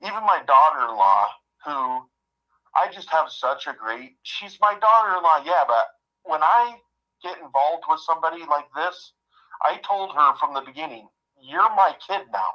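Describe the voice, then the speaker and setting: A man of fifty telling a heartfelt personal story in a halting way, often repeating himself. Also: on the high side, expressive, pushed and bright, low-quality recording. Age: 50s. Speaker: guest.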